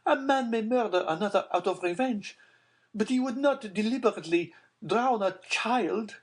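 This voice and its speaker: A man voicing a frantic, anguished aristocratic mother in an audiobook, in a shrill, pleading tone. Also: moderate pace. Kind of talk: audiobook character voice.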